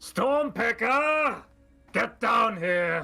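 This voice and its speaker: Putting on a character voice, a man shouts and bellows at an extremely high pitch, his voice raised and projected, his intonation lively. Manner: bellowing, booming, commanding shout.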